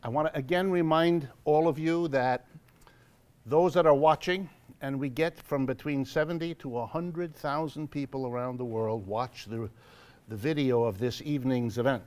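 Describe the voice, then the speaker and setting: A man hosting a live event in a church hall, making announcements to the audience in a measured, wry way with frequent pauses and fillers. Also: mid-range voice, a little mellow. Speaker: host of a monthly lecture event.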